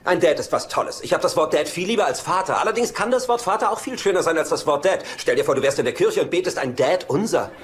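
A man's voice: fairly high pitch, lively intonation, fast talker, few pauses, lightly acted. An actor playing a flippant, womanizing bachelor uncle in a dubbed sitcom, glib and prone to nervous rambling. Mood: nervous babbling. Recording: noisy sitcom soundtrack with studio laughter.

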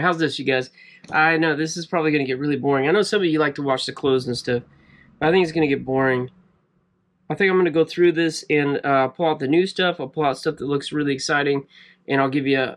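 A man in his thirties chatting casually to camera while sorting clothes from a storage locker in a cluttered room. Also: fairly high pitch. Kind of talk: casual unboxing commentary to camera.

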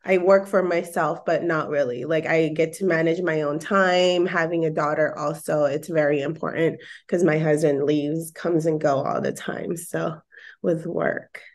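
A woman in her thirties with an American accent, speaking in a lowish voice. She chats loosely as a podcast guest, full of "like" and easy laughter, over an earphone mic from her living room. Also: steady tone, normal speed. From Okinawa, Japan, and the Philippines. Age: 30s. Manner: chatty, laughs often, many "like" fillers. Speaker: podcast guest, bikini bodybuilder and personal trainer. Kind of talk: casual interview chat. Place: home living room, indoors. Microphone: earphone mic on a video call.

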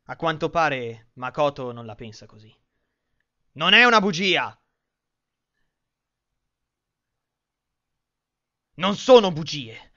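Man voicing an excitable, melodramatic anime schoolboy. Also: on the high side, a little slow, full character voice. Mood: subdued, serious. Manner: melodramatic, swinging between outbursts and hushed lines. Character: girl-crazy, excitable, melodramatic teenage schoolboy. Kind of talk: amateur anime fan dub. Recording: dull lo-fi home recording.

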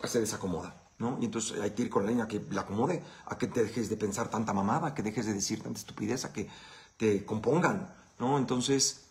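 A man's voice: on the low side, a little fast. Blunt, profane Mexican man chatting. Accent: Mexican Spanish. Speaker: host answering viewer questions. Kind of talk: casual live Q&A chat.

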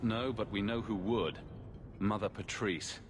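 Man as a low-voiced, serious fantasy hero. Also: a little slow, close to an everyday voice. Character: composed, serious adult male fantasy adventurer hero. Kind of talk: video game dialogue.

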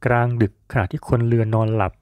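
A man tells an old folk tale in a calm, measured storytelling voice. His tone is mellow and relaxed. The recording is dry and close. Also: mid-range voice, dry recording. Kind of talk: storytelling narration.

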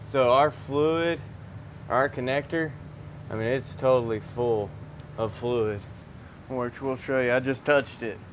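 Male mechanic, medium pitch, casual and folksy hands-on vlog delivery, some shop noise behind. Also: slow. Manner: folksy, chatty. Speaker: transmission mechanic presenting a video. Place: auto repair garage, under a lifted truck. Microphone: camera a few meters away. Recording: clear garage noise behind.

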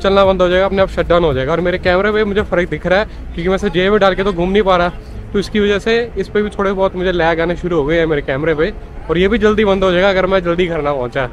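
Walking a snowy city street with a handheld camera, a young vlogger chats casually, mixing Hindi and English and calling his viewers "bhai." His high-pitched voice is quick-paced, with lo-fi sound, in a casual walking-tour vlog.

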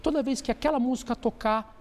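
Mellow-voiced doctor explaining. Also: male voice, extremely high pitch, fast. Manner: didactic, poses rhetorical questions then answers them. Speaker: obstetrician guest. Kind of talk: explanatory TV talk-show interview.

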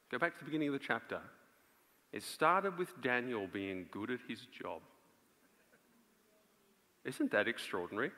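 A man in his thirties preaching an earnest, emphatic live sermon with dramatic pauses on a large auditorium stage. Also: on the high side, sharp tone. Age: 30s. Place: on stage in a large theatre before an audience. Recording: reverberant large auditorium sound.

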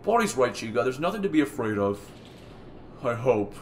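A performer as a calm, sensible male bear animatronic. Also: medium pitch, moderate pace, a little hiss or hum. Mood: reassuring. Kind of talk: amateur character skit, animated voice acting.

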